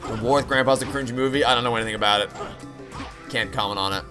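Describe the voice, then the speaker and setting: Here a medium-pitched man talks fast as he streams a game. It's loose livestream chatter and commentary, rambling along with sarcastic, deadpan remarks, and game music can be heard behind him.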